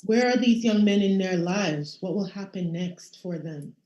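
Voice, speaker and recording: A woman's voice: mid-range voice, unhurried, warm tone, reverberant, dull audio. A woman moderating a video call panel, reflective and emphatic as she responds. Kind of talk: panel discussion.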